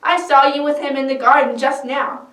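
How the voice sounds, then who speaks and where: A woman's voice: sits high, flat delivery, normal speed, fairly bright tone, pitched above the performer's own voice. Woman as accusing bystander, suspicious, insistent, church drama reading, echoey room. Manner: insistent, emphatic. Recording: echoey room, distant microphone.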